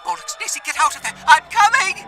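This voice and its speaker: Woman as a prim, high accomplice. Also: animated, fast talker, over loud music. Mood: alarmed. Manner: formal, precise wording. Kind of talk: comic dub voice acting.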